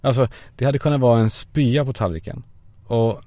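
A man's voice: mid-range voice, mellow, no room sound. A young man hosting a podcast alone from a parked car, a self-mocking, swearing comic monologue. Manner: self-mocking, swearing, acts out voices in quotes. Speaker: podcast host.

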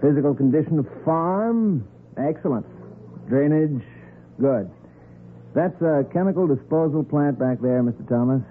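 Brisk slick con man, old noisy radio. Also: a little high, animated. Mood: brisk, polite. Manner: brisk, officious, falsely sympathetic. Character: smooth, crisp male con artist posing as health researcher. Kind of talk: 1940s radio acting. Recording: noisy, narrow-band 1940s radio recording.

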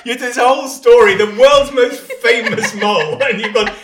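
A man co-hosting a podcast, chatting casually and teasing in quick banter. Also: very high voice, noisy background. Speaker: podcast co-host. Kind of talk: casual kitchen chat.

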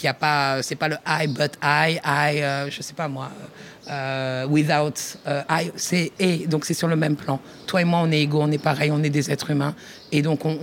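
A woman's voice: low-pitched, slight background noise. Woman researcher, reflective workshop talk, hesitant and searching, with frequent restarts and a familiar tone. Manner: thinks aloud with many restarts, addresses the listener informally.

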